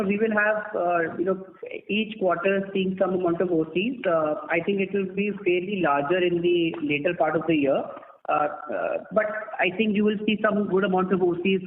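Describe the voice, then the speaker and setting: A man with an Indian accent, a company executive answering investors in measured corporate speech peppered with "you know", over a tinny conference line. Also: high-pitched, a little hiss or hum. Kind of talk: earnings call answers. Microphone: telephone.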